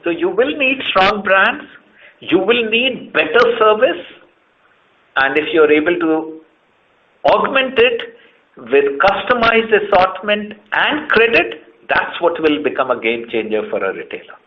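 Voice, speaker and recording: A man's voice: high voice, sing-song, measured pace. An Indian man speaking as a company chief executive on an earnings call, explaining emphatically and setting out his points one by one. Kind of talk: earnings conference call answers. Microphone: conference call line. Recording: muffled, band-limited conference call audio.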